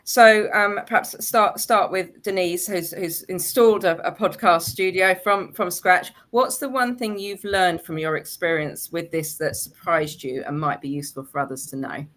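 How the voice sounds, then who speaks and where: A woman's voice: on the low side, steady tone, normal speed, hardly any pauses, a bit bright. A woman hosting a webinar discussion, putting questions to panellists in a conversational way. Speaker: webinar host.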